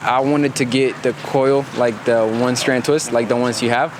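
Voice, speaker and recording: A man's voice: mid-range voice, fairly even intonation, moderate pace, noisy background. A young man from Ethiopia talking as a guest in a casual chat, laid-back and slangy.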